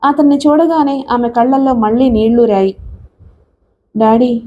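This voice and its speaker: A woman narrating an audiobook story in a steady storytelling manner. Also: fairly high pitch, normal speed, muffled recording.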